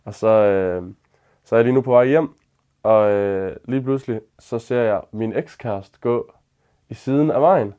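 A man's voice: lowish voice, warm tone, clear, resonant tone. An eighteen-year-old man from northern Denmark telling an embarrassing story casually, self-deprecating and rambling with many fillers. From Northern Jutland, Denmark. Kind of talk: casual anecdote.

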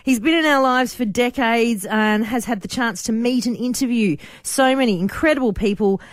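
A woman's voice: fairly high pitch, moderate pace, dry recording, clean studio sound. A woman with an Australian accent, hosting a radio breakfast show and interviewing a guest.

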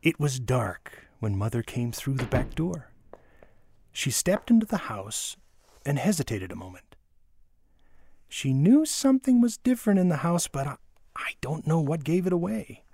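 A man reading a nostalgic memoir aloud as a storyteller, in a dramatic, measured way with deliberate pauses and emphasis. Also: fairly high pitch, sing-song, gravelly, dark tone, breathy edge, dry recording.

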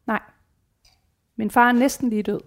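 Woman, 40s, slightly high voice, frank and animated storyteller in casual conversation. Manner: animated, candid, swears casually, acts out quoted voices. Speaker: guest. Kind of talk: casual chat, personal storytelling.

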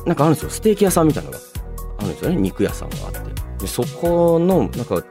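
A man hosting a radio show, chatting and reading listener mail in a polite, expressive manner. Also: on the high side, racing. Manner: polite, expressive, often breaking into laughter. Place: radio studio. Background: background music.

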